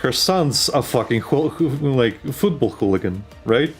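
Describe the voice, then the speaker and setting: A man's voice: mid-range voice, expressive, unhurried, faint music behind. A man co-hosting a casual chat show, rambling with lots of fillers and restarts. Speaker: podcast co-host.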